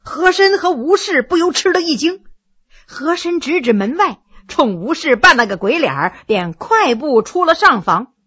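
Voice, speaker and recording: A woman telling a historical story in expressive narration. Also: high voice, moderate pace, dull audio.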